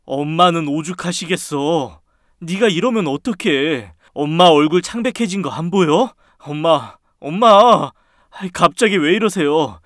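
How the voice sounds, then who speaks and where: A man's voice: fairly high pitch, expressive, measured pace, fairly bright tone, no room sound, studio quality. Stern man's voice in a drama. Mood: scolding. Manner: stern, scolding. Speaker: voice actor for husband and older brother. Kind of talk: acted drama dialogue.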